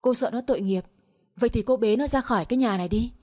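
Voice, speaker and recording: A woman's voice: fairly high pitch, quick pace, a little mellow, natural voice. A woman voicing a cruel older mother-in-law who scolds with harsh contempt. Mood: scolding.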